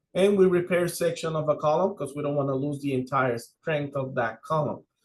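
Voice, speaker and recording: In a Spanish accent, a somewhat breathy voice moves at a fairly quick pace with ordinary pitch variation. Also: man, fairly high pitch for a man. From Puerto Rico. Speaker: structural engineer. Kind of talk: webinar lecture. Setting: online webinar.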